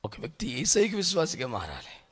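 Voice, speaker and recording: Animated preacher man. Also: fairly high pitch, fast, slightly rough. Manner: animated preaching with rhetorical questions and anecdotes; mixes English words into the sermon. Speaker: pastor. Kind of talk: sermon.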